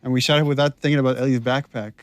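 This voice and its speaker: A man with a middle-pitched, ordinary voice talks through scenes he wrote. He stumbles and restarts often, then picks up energy while telling production anecdotes. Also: fairly even intonation, rapid-fire, dry recording. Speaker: writer and director on commentary. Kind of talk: casual commentary chat.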